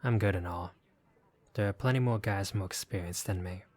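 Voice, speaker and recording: Man acting a low-voiced, wary street gangster. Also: moderate pace, a little mellow. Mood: suspicious, exasperated. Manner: guarded, sardonic, casual street talk. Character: wary, streetwise young gangster for hire, gruff but decent. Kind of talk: roleplay audio drama acting.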